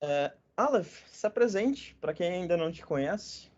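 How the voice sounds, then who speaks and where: Here the northern Paraná podcaster, a man in his twenties, sounds high-voiced and lively in intonation, taking his time. The recording is dull, with a little hiss or hum. He keeps things chatty and jokey, with plenty of "né?" tags.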